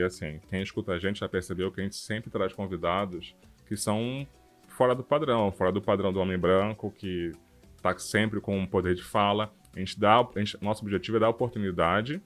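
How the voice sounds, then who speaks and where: Brazilian man, podcast co-host, low voice, informal and animated, faint music. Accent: Brazilian Portuguese. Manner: informal, animated, frequent "cara" and "sabe". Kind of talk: casual chat. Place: works abroad.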